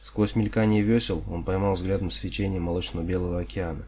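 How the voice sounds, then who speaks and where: A man reading an audiobook in a steady, measured storytelling manner. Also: deep voice, slight background noise. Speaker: audiobook reader. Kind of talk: audiobook narration.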